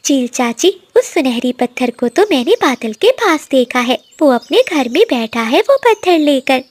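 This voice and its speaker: A woman's voice: high voice, sing-song, moderate pace, no echo. A woman voicing a sweet, clever little female bird in a cartoon. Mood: cheerful.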